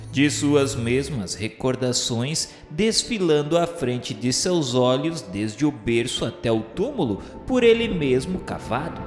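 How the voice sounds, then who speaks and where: A Brazilian man narrating a radio novel in a solemn, dramatic, grandiloquent literary style, with formal declamation. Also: medium pitch. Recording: echoey, long reverb, music underneath. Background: music.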